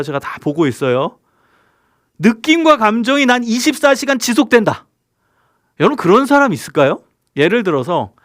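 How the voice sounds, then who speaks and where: Animated guy preaching to teens, keeps asking questions, dry mic, voice jumps up and down a lot. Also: high-pitched, no echo. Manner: animated, asks the audience many questions. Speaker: pastor. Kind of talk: youth sermon.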